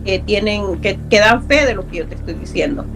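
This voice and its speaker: A woman's voice: medium pitch, brisk, fairly bright tone, soft background music, rough recording. A middle-aged woman from Honduras, earnestly telling a personal story as a guest, repeating words for emphasis.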